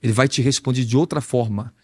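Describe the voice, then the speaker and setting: A man preaching a sermon as an apostle, animated and conversational, with a Brazilian Portuguese accent and frequent rhetorical questions. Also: mid-range voice, fast talker, husky.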